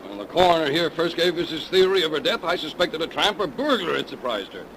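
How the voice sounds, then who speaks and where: A man's voice: on the high side, lively intonation, fast talker, fairly bright tone. A middle-aged man playing a curt, skeptical police lieutenant, in 1930s radio drama style. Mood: brusque. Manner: curt, dismissive. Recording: scratchy 1930s radio recording.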